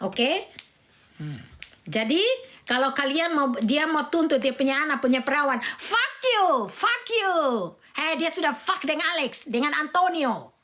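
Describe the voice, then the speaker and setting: A woman's voice: sits high, lively intonation, moderate pace, pushed and bright. A middle-aged woman from Indonesia, a mother scolding and ranting angrily and repetitively on a livestream. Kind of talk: heated livestream rant.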